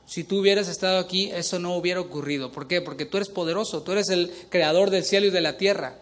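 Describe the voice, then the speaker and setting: A man's voice: high-pitched, fast talker. A middle-aged male pastor preaching a sermon, asking the congregation questions as he reads scripture.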